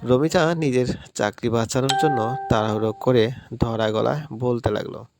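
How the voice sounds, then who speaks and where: A man narrating a romantic story in steady, scripted audiobook style. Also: medium pitch, moderate pace.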